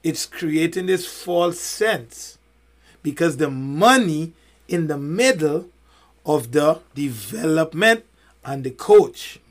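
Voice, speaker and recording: A man's voice: a little high, lively intonation. A man co-hosting a casual podcast discussion, making emphatic points with rhetorical questions and long analogies. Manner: fills pauses with many "you know"s. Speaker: podcast co-host.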